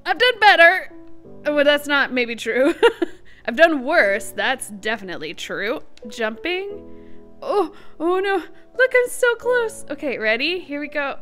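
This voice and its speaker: A woman gives let's-play commentary in a high, bright voice that swoops up and down as she narrates each of her moves. She sounds excitable and giggly. Soft music plays faintly behind her. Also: unhurried. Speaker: gaming channel host.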